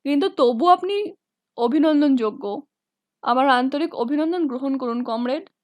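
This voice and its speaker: A woman's voice: high voice, normal speed, darkish tone, no room sound, close to an everyday voice. A woman voicing a young male student in a storybook who drags out his words, stressing each and letting it drop. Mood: languid.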